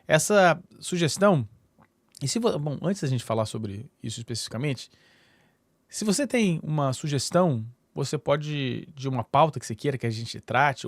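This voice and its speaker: A man's voice: medium pitch, vocal fry, dry recording. A middle-aged Brazilian man hosting his own channel, talking casually to the camera and often restarting his sentences with fillers. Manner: rambling, many fillers and restarts. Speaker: YouTube channel host. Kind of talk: casual solo talk to camera.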